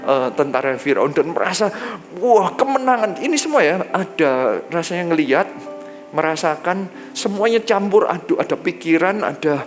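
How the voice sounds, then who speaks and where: A male pastor, telling a personal testimony in a sermon, lively and drawn-out when he quotes. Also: soft background music. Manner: lively storytelling, drops low and slow when quoting God.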